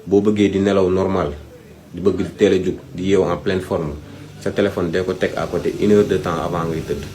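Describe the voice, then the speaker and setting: A man's voice: low voice, dark tone. A Senegalese man giving informal advice, speaking emphatically, repeating his points and addressing the listener directly. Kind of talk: informal advisory talk, Wolof mixed with French.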